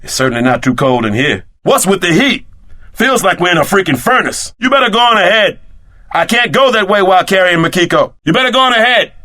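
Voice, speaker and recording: An actor playing a streetwise, wisecracking tough sidekick in a video game, wry and wary, with slangy delivery. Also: male voice, high voice, expressive, fairly quick, sharp tone, no room sound, clean studio sound. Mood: wry, strained.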